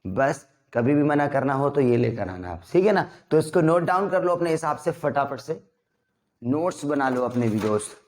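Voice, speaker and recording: A man's voice: medium pitch, animated, normal speed, darkish tone. A man teaching an English vocabulary lesson to a class, drilling words by repeating them and checking in with his students.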